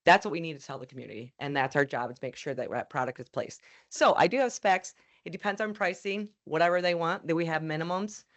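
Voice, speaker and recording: A woman's voice: deep voice, quick pace. A woman media panelist answering audience questions at a live event, talking loosely with many fillers and restarts.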